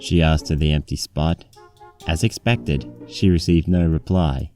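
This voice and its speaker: A man's voice: rumbling low, unhurried, a little mellow, soft background music. A man reading a scripted story aloud as its narrator.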